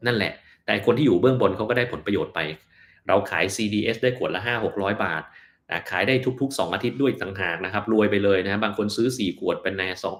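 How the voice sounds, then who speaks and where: A man's voice: fairly low pitch, quick pace. A man, a doctor from Thailand, answering viewers' health questions in a casual live stream, blunt and offhand. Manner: blunt, offhand, sometimes mocking in quoted asides.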